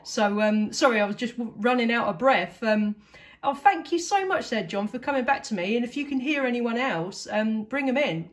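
A woman's voice: fairly high pitch, expressive, normal speed. A woman with an English accent chatting casually as a CB radio operator, enthusiastic and talkative. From England. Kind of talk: casual two-way radio chat.

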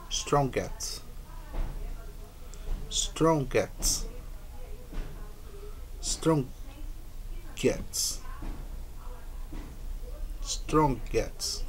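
A man with a Brazilian accent, a native Portuguese speaker, haltingly reading aloud as an English learner and repeating words and phrases. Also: mid-range voice, slight background noise, poor audio. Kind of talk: halting read-aloud pronunciation practice.

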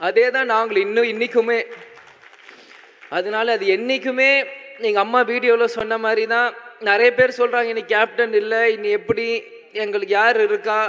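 Young man, tearful halting stage speech, high voice, muffled reverberant hall sound. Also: fairly bright tone. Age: young adult. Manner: halting, choked up, restarts often. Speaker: speaker at a memorial gathering. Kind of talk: emotional public speech. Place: large indoor stage. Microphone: handheld mic on a stand.

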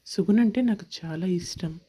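A woman voicing a sincere, devoted young man in love, earnest and polite, in an animated moral story. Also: lowish voice, normal speed, husky.

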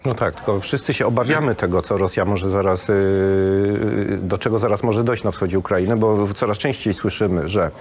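A man's voice: fairly low pitch, normal speed, few pauses, darkish tone, a little hiss or hum. A man in his thirties with a Polish accent, hosting a news interview from a TV studio and asking conversational questions. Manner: conversational, hesitant fillers. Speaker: host.

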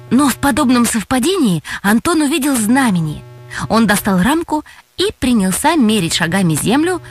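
A woman narrating a children's audio tale with expressive storytelling. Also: fairly high pitch, slightly rough.

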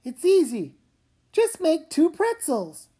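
A woman's voice: extremely high pitch, huge pitch swings, takes it slowly, mellow, exaggerated voice. A woman voicing a stubborn, argumentative young girl, an older sister in a comic read-aloud. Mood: dismissive.

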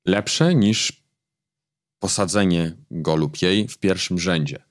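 Deep-voiced man explaining at length. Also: dry recording, clean studio sound. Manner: explanatory, thoughtful, many fillers and pauses. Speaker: book editor, guest. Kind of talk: interview conversation.

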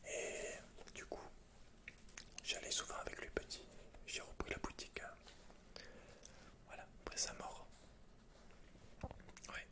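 A young man with a French accent, whispering hesitantly and softly in a breathy ASMR roleplay as an awkward, introverted computer shop keeper. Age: young adult. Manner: hesitant, halting, soft-spoken. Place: indoors, dark backdrop. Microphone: close microphone.

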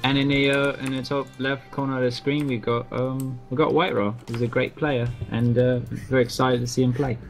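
A man co-commentating a strategy game in a relaxed, casual style, often pausing and hedging as he talks. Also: mid-range voice, faint music behind. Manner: relaxed, hesitant, many fillers. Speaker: esports commentator.

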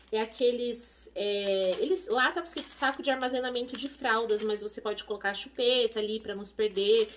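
Gushing Brazilian woman, high voice. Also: a little hiss or hum. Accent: Brazilian Portuguese. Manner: effusive and chatty, gushing over items. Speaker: vlogger, expecting mother. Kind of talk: casual shopping haul chat. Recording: voice a bit far from the mic.

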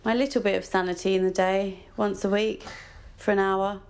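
A woman's voice: medium pitch, flat delivery, normal speed, darkish tone, smooth. A mother of a disabled child talking candidly at home, switching to sing-song baby talk and at times tearful. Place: family home. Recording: noisy handheld documentary audio.

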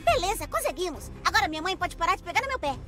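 An earnest, easily exasperated Brazilian schoolboy from a cartoon game. The voice is very high and lively, with prominent music behind it. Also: female voice, racing. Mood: relieved, matter-of-fact. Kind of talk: dubbed cartoon game acting.

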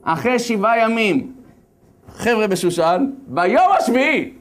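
A religious lecturer retelling a holiday story in a lively, slangy, joking way, then turning to its lesson. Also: male voice, sits high. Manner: animated, slangy, jokey storytelling. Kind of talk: lively comic Torah talk.

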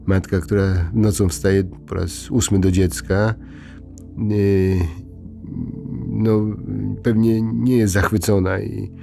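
Gravelly, mellow-voiced priest musing at bedtime. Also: male voice, fairly low pitch, flat delivery, soft background music. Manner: unhurried, conversational, many hesitations and restarts. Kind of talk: informal bedtime reflection.

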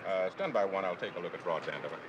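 Man playing a fast-talking, methodical air traffic controller. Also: low-pitched, dull audio, natural voice. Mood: calm, focused. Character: calm, methodical male air traffic controller, steady under pressure. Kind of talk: naturalistic film acting, clipped procedural radio phraseology.

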